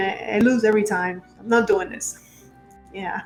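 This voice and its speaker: Over noticeable background noise, a woman with a non-native accent talks at a fairly quick pace, her fairly high pitch showing ordinary variation. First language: not English. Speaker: board game video host. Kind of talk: casual chat.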